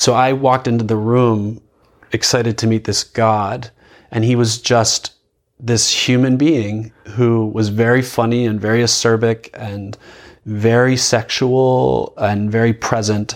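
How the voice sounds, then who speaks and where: In an American accent, a man speaks at a medium pitch and a fairly slow pace with monotone, flat intonation. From Philadelphia, US. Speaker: theater artistic director. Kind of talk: interview. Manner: articulate.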